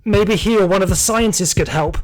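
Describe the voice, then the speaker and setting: A man's voice: high voice, a little fast, pitched above the performer's own voice, natural voice. A man playing a terrified security guard, narrating his ordeal urgently and theatrically in an audio drama. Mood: panicked, pained.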